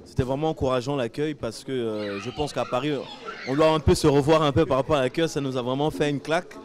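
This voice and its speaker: A man interviewed after a church event, giving a spontaneous testimony with many pauses and fillers. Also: medium pitch. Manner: hesitant, many fillers, grows animated.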